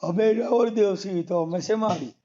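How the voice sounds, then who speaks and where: This is a muffled, lo-fi phone call in which a man with a high, warm voice and a Gujarati accent argues heatedly at a moderate pace. Insistent and combative, he keeps hammering his points with rhetorical questions.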